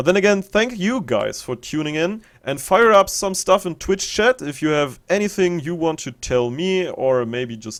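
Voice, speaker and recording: A high-pitched man with very wide pitch swings and hardly any pauses, in a very clean recording over a silent background. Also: moderate pace. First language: German. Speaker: esports caster. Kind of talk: live commentary. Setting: livestream broadcast. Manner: slightly halting.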